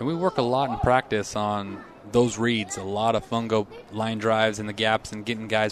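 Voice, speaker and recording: A man speaks with a fairly low pitch and fairly even intonation. Noticeable background noise can be heard. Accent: American. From Arizona. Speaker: color commentator, former pitcher. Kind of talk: live commentary.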